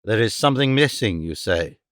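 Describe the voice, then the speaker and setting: A grim, cold-hearted moneylender, as a male storybook reader plays him. He speaks low and sternly with a menacing edge, in a smooth, clear voice, recorded dry and close. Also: lively intonation, fairly quick, fairly bright tone, dry recording. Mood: commanding.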